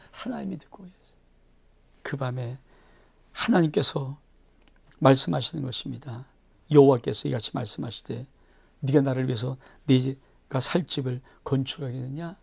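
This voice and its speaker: A male pastor reads and preaches through a Bible chapter in a mid-range, gravelly voice with a breathy edge. He keeps putting questions to the congregation and swings from loud bursts to near-whispers.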